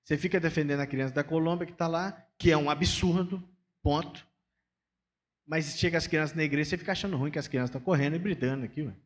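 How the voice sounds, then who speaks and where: A man's voice: fairly high pitch, fast talker, in a large hall. A man with a Brazilian Portuguese accent, a pastor preaching a sermon in a conversational way and acting out everyday dialogues. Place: church sanctuary.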